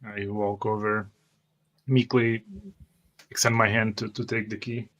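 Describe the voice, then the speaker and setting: A low-pitched man with a bright, crisp-edged tone plays a tabletop game. He states his character's actions briefly and politely, with little rise or fall. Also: little pitch movement, measured pace, highs cut off.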